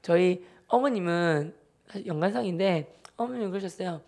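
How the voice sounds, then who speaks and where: Man, Gyeongsang accent, church deacon, lively storytelling, acts out voices. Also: high-pitched, fairly quick, gravelly. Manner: animated storyteller who acts out family members. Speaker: church deacon giving a talk. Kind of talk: lively testimony talk.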